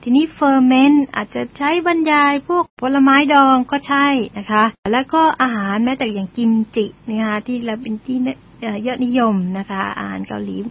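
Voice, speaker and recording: A woman's voice: sits high, steady tone, normal speed, gravelly, few pauses, dull audio. A woman giving a radio English lesson, polite and patient, often spelling words out letter by letter. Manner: polite, ends phrases with soft particles, spells words letter by letter.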